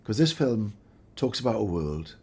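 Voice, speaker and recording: Low, husky-voiced man. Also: sing-song, a little mellow. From Wales. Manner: earnest, halting with restarts. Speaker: director. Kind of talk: reflective interview talk.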